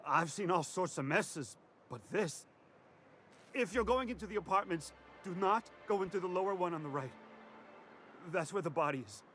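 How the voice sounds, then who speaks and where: A man's voice: high-pitched, animated, moderate pace, fairly bright tone, a little hiss or hum. An actor playing a shaken male cleaner in a video game, speaking in nauseated horror.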